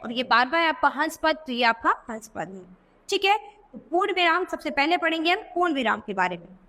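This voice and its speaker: A woman's voice: high voice, bright, forceful tone, big-room sound. A woman teaching a grammar lesson to children, explaining patiently and often checking in with the class.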